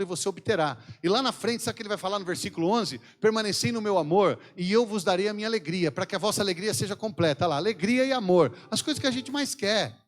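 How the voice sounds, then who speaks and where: Fast-talking fervent Brazilian preacher man. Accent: Brazilian Portuguese. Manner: fervent, exhorting the congregation with sweeping pitch swings. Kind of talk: sermon. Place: church event.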